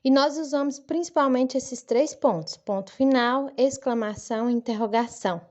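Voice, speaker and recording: A woman teaching a children's lesson, speaking slowly and clearly in a sing-song manner for young kids. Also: sits high, darkish tone. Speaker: primary school teacher. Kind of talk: recorded online lesson for children.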